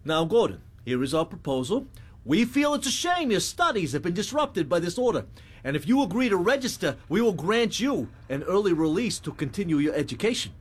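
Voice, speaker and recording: A man playing a smooth, persuasive army captain who coaxes a young prisoner and defers politely to his superiors on the phone. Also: sits high, sing-song, a little fast, pitched above the performer's own voice, exaggerated voice. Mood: coaxing.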